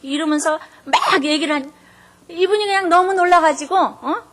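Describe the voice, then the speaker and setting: A high-pitched middle-aged woman preaches to her congregation. She tells a story with animated energy and jumps into the voices of the people in it. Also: moderate pace, a little hiss or hum. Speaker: pastor. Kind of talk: sermon.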